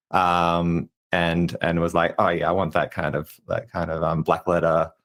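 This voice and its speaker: On a very clean recording with a silent background, a man with an Australian accent talks at a moderate pace in a monotone, flat intonation and a very deep, low pitch. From rural Australia. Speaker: game designer. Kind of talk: podcast interview. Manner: halting, many repeated words.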